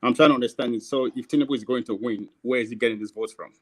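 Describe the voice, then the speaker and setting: A man questioning others in a live political debate, skeptical, halting and repeating himself. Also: mid-range voice, fairly even intonation, fairly bright tone, dry recording.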